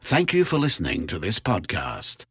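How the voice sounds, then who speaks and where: A man's voice: low-pitched, huge pitch swings, moderate pace, loud music behind the voice. A man delivering a recorded station promo as announcer.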